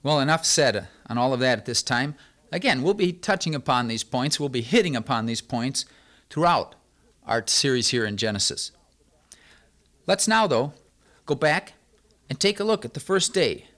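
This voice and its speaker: A man's voice: mid-range voice, lively intonation, moderate pace, fairly bright tone. A man giving an emphatic sermon, stressing points through repetition as a Bible teacher.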